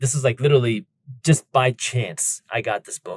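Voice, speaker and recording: A somewhat breathy man talks at a very fast pace. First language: not English. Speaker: entrepreneur and finance educator. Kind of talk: interview. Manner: conversational with some repetitions.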